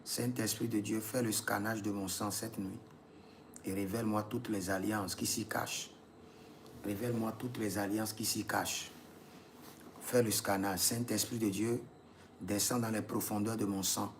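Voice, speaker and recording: A man's voice: lowish voice, steady tone, measured pace, a little hiss or hum. A man, a prophet leading a live prayer session, repeating intense commands and breaking into tongues.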